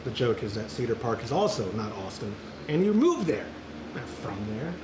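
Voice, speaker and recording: A man's voice: mid-range voice, very animated, moderate pace. A man from Central Texas, hosting a homebrew live stream in a chatty, joking, rambling way while he brews. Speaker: homebrew show host. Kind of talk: casual live-stream chat while brewing. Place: brewing area with flies around. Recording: echoey with loud background noise.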